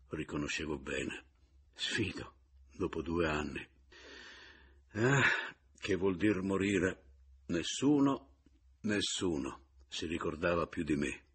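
This male audiobook narrator reads a literary novel in a thoughtful, measured first-person style. His voice sits low and sounds husky.

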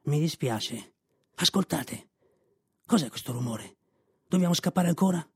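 A man's voice: a little high, lively intonation, unhurried, a little mellow, husky, dry recording, studio quality, exaggerated voice. A man voicing a timid, fearful male pack camel who pleads humbly and anxiously in a storybook reading.

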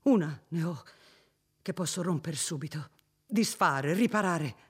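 A man's voice: fairly high pitch, expressive, husky, pitched above the performer's own voice, full character voice. Man voicing a remorseful repentant lord. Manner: slow, halting, emotional exclamations. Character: repentant former tyrant lord, shaken and remorseful.

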